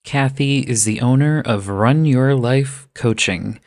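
A man's voice: mid-range voice, slow, darkish tone, no room sound, clean studio sound. A man hosting a podcast, reading an upbeat intro and then interviewing a guest, laughing easily. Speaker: podcast host.

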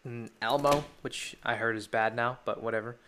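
A man's voice: mid-range voice, steady tone, moderate pace, fairly bright tone, slight background noise. A teenage boy hosting his own podcast, rambling casually and eagerly as a devoted fan. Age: teens. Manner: rambling, enthusiastic fan chat. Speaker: podcast host. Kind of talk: casual solo podcast talk.

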